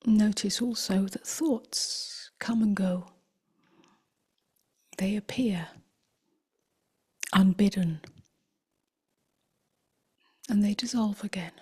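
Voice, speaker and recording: Guiding a contemplation, a female meditation teacher speaks softly and breathily, almost whispering, taking her time and leaving long pauses. Her voice is mid-range.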